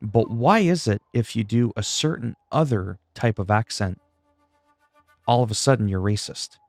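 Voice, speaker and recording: A man from Canada, a native French speaker, rambles through a casual livestream. His voice sits low with a gravelly creak. He is self-deprecating and salty, and swears freely. The sound is close and dry. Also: moderate pace, darkish tone, no echo, faint music behind.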